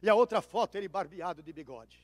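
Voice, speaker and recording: A man with a Brazilian Portuguese accent preaching a sermon as pastor, telling a story with dramatic swings between loud cries and hushed asides. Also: high-pitched, expressive, fast. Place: church. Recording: reverberant church hall.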